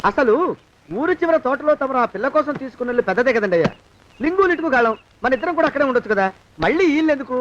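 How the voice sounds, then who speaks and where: A grumbling put-upon clerk. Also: male voice, extremely high pitch, lively intonation, quick pace, a bit bright. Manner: grumbling, sarcastic. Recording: dull lo-fi film soundtrack with faint noise.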